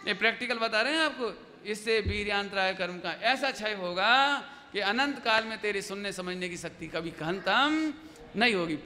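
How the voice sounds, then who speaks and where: A man's voice: sits high, moderate pace. A man giving a devotional sermon to an audience, telling stories and asking his listeners questions. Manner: lively storytelling, asks the audience questions. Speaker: religious teacher giving a discourse. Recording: long hall reverb with faint background noise.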